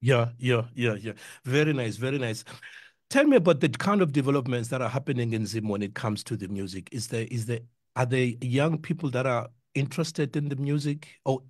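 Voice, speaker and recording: A middle-aged South African man hosts a music interview on community radio. His sound is dry and close, with a mid-pitched voice. He talks casually, circling around his point and doubling up words for emphasis. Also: fairly quick, dry recording. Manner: rambling, repeats words for emphasis.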